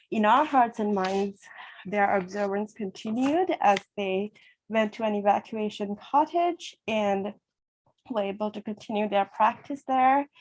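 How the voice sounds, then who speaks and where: A woman from Sri Lanka speaking as a co-sponsor at a ceremony, emotional and grateful, often laughing softly as she talks. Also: medium pitch, low-quality recording. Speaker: event co-sponsor. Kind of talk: heartfelt speech at a ceremony.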